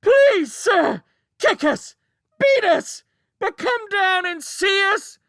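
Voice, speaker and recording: A man voicing a loud, mischievous young male mouse who howls in a piercing yell in an audiobook. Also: extremely high pitch, very animated, slow pace, dry recording, clean studio sound, pitched above the performer's own voice, heavily acted. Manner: piercing yelling, howling for help. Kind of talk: audiobook character voice.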